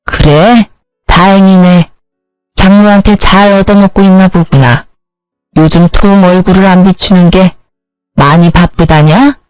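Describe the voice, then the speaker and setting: A woman's voice: lowish voice, fairly even intonation, unhurried, darkish tone, smooth, no room sound, faint music behind, close to an everyday voice, poor audio. A woman voicing a blunt, nosy old mother-in-law. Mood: brusque. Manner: blunt, brusque questioning.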